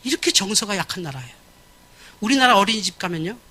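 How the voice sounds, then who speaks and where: Male pastor in his 50s giving a church lecture; blunt and animated, with a bright, lively voice that swings widely. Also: high voice, quick pace.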